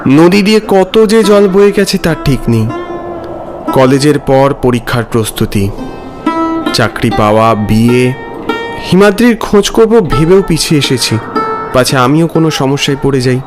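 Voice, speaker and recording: A man's voice: mid-range voice, lively intonation, normal speed, close to an everyday voice. A man playing a troubled married man, narrating his haunted memories in a dramatic, brooding way. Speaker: narrator and main character. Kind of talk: dramatic first-person horror story narration. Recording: music behind the voice.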